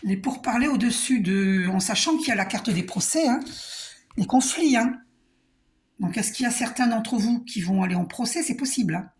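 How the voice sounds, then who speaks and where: A woman doing a calm, reassuring spiritual card reading. She talks to the viewer, repeats herself and uses many fillers. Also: on the high side, moderate pace. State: coughing a little. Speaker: card reader.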